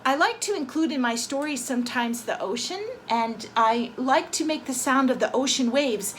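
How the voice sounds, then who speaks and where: A woman violin teacher explaining techniques gently and clearly, and telling a short spooky story with growing emphasis, with violin playing between her phrases. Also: high-pitched, moderate pace, a little hiss or hum, low-quality recording. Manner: storytelling with rising dramatic emphasis. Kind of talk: violin lesson with a told story. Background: violin sound effects between phrases.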